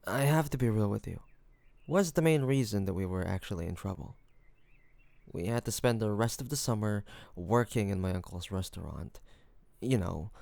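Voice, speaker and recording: Gravelly, charming mafia boss, played by a man. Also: fairly low pitch, no room sound. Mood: wry, nostalgic. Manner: relaxed, playful storytelling with frequent soft chuckles. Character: charming, hospitable male mafia boss, family-minded and teasing. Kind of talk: intimate scripted audio roleplay, spoken to one listener.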